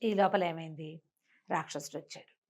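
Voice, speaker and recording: A woman's voice: deep voice, fairly even intonation, normal speed. A woman storyteller telling a moral tale conversationally, repeating phrases and asking rhetorical questions.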